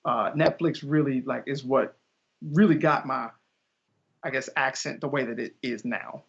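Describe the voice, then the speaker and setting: A man's voice: medium pitch, measured pace, gravelly. A young man, a guest teacher, chatting casually in an interview and acting out quoted voices with laughs as he tells stories. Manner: animated storyteller, acts out quoted voices with laughs. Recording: dull lo-fi audio.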